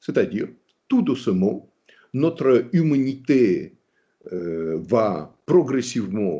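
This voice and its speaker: A man with a non-native accent and very wide pitch swings. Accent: foreign accent in French. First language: Russian (speaking French). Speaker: writer and academic. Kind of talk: interview. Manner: halting, many hesitations.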